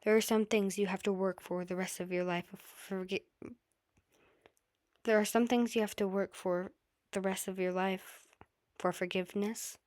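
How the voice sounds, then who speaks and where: A woman's voice: medium pitch, fairly even intonation, moderate pace, long pauses, a little mellow, dry recording. Earnest woman narrator, close and dry. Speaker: amateur fan fiction narrator. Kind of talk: audiobook-style narration of an emotional story.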